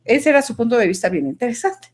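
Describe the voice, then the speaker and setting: Woman, fairly high voice, video call, animated, emphatic, self-correcting storyteller. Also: quick pace. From Mexico and Denmark. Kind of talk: casual personal storytelling.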